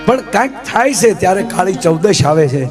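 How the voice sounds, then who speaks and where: A man performs comic folk storytelling live. He chats with his listeners and keeps asking them rhetorical questions. Instrumental music plays clearly behind him. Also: high-pitched, lively intonation, normal speed. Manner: chatty, addresses the audience as "sir", rhetorical questions.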